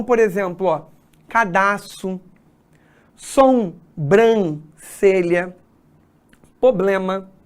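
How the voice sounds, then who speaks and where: A woman teacher explaining grammar at a whiteboard, often checking in with her students. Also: fairly high pitch. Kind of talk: exam-prep grammar lesson.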